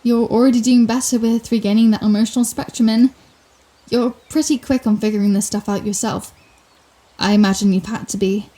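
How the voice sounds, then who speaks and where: A woman playing a proud, sardonic telepathic villain with a secret soft side, in a theatrical, wry manner for an intimate ASMR roleplay. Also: on the high side, steady tone, a little fast, natural voice. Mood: awkward, comforting. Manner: theatrical, wry, flustered denials, grand pronouncements.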